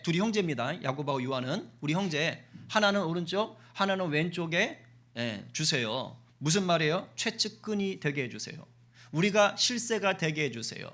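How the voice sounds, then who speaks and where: A man with a high, bright voice delivers a Sunday sermon in a church. He preaches in a lively way, putting questions to the congregation and acting out short bits of dialogue. His tone stays clear and ringing. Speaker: senior pastor. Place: church sanctuary.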